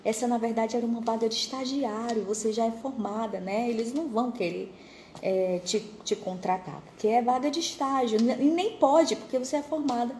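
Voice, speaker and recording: A cautious, chatty Brazilian friend, as a woman puts her on in a spoken story. The voice is a little high and stays mellow and warm. The talk is casual and a bit doubtful. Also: fairly quick, echoey room, a little hiss or hum, natural voice. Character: friendly female friend giving job advice.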